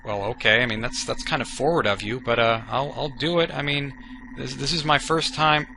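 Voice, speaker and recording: A man's voice: mid-range voice, fairly even intonation, normal speed, creaky, noisy background. Goofy young man narrating gameplay. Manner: goofy, self-mocking, stammering restarts. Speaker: let's play commentator. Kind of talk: casual gameplay commentary. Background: video game music.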